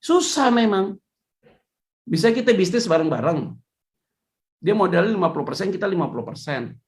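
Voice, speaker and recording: A male pastor preaching a lively sermon, acting out the voices of church members and people he quotes. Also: high-pitched, moderate pace. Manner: animated, acts out voices of congregants and quotes.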